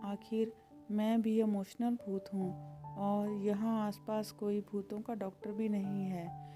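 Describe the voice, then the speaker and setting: A woman's voice: mid-range voice, mellow, natural voice. A woman voicing a grumpy, fussy male ghost in a storybook tale, scolding and squeamish. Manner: scolding, squeamish, sing-song chants. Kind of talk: storybook character voice.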